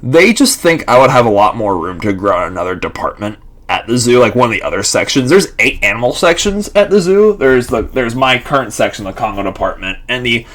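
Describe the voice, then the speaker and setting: A man's voice: medium pitch, very animated, fairly quick, few pauses, a bit bright. A young man in his twenties rambling casually to camera, full of fillers and restarts. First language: Lithuanian and English bilingual. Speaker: vlogger.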